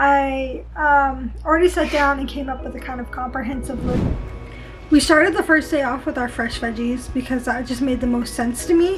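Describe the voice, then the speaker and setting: Music plays behind a woman speaking at a moderate pace. Audible room echo surrounds her voice. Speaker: lifestyle vlogger. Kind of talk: casual vlog. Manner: loud.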